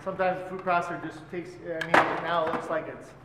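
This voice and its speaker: The speaker is a chef instructor in his forties with a fairly high voice and quick pace, relaxedly narrating each step of his cooking class as he works. A distant camera records him in a large indoor hotel function room, where the hall echoes and background noise is loud.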